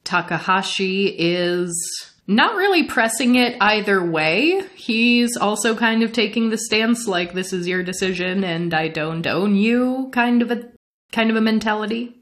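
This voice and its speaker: A young adult woman from the Midwestern United States, chatting casually as a podcast co-host, animated and laughing often. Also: mid-range voice, a little slow. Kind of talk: casual chat recapping an anime series.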